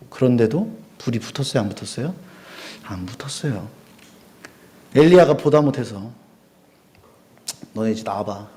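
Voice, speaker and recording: A man with a medium-pitched voice preaches a sermon, telling the story with lots of life. He poses questions to the congregation and acts out the quotes using sound effects.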